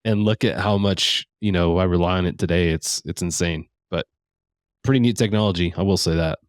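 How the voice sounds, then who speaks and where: A man's voice: sits low, a little fast, no room sound, clean studio sound. A man in his forties co-hosting a podcast, easygoing and reflective in casual chat. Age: 40s. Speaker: podcast co-host.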